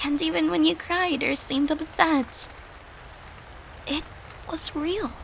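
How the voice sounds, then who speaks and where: A woman's voice: sits high, steady tone, takes it slowly, slight background noise, heavily acted, rough recording. A woman playing a tender human girlfriend, an occult summoner confiding in her demon lover in an intimate, earnest audio roleplay. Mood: fond, warm. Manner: soft, earnest, confiding, with sighs and breathy laughs.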